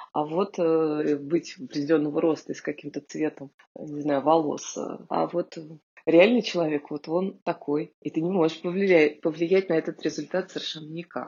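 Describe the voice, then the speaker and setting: A woman with a very deep, low pitch speaks at a moderate pace, her intonation fairly even but her loudness swinging widely. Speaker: grandmother and mother of three. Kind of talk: recorded interview answer.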